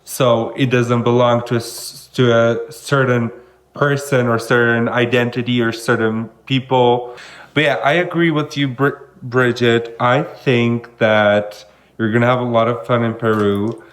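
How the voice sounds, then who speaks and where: Young man from Kosovo, mid-pitched, friendly rambling podcast talk. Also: steady tone, unhurried. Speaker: podcast co-host. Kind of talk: casual chat.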